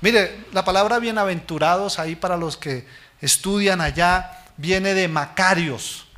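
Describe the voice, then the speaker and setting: Speaking at a measured pace, the pastor addresses the listener directly as "hermano" during his sermon. He questions the congregation and supplies the answers himself, letting his voice drop low and soft as each phrase ends.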